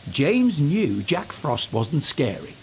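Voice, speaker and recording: Male narrator for children's story: expressive, highly varied pitch, slightly high register, faint noise behind. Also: takes it slowly.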